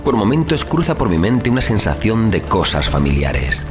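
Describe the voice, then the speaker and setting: A man narrating a horror audiobook in a measured, solemn, theatrical manner, as a dramatic scripted reading. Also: lowish voice, sing-song. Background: music.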